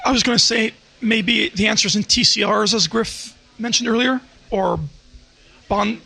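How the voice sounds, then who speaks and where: A man speaks haltingly at a roundtable, stumbling over his words. His voice is high and very gravelly, with a husky edge. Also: fairly even intonation, bright, forceful tone, rough recording. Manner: halting, many restarts. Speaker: roundtable participant. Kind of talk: casual roundtable discussion.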